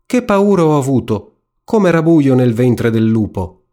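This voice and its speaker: A man voicing an innocent little girl in a red hood in a spoken storybook, high and wide-eyed. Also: big pitch swings, unhurried, darkish tone. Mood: frightened.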